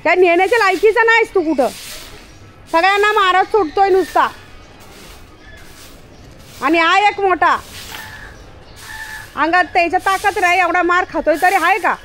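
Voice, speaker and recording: A woman, vlogging at home and scolding her pet dog in a loud, chiding way. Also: extremely high pitch, normal speed, pauses often, soft background music. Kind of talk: casual home vlog.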